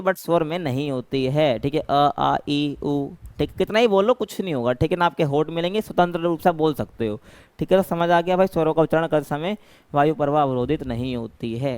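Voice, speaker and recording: Male tutor, fairly high voice, smooth, dry close sound, steady step-by-step explaining, frequent "ठीक है ना". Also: dry recording. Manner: explains step by step, often adds "ठीक है ना" and "भाई". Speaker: teacher. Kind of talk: exam-prep lecture.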